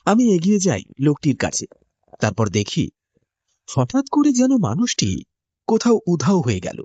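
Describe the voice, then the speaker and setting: A man's voice: fairly high pitch, wildly swooping pitch, normal speed, warm tone, dry recording, highs cut off. A man narrating a horror cartoon in the first person, in a tense, dramatic storytelling manner. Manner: tense, storytelling delivery with sudden rises.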